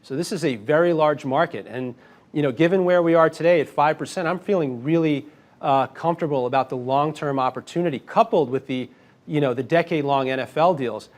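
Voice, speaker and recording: Confident male executive, mid-pitched. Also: fairly quick. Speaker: company executive. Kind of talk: earnings call answers to analysts.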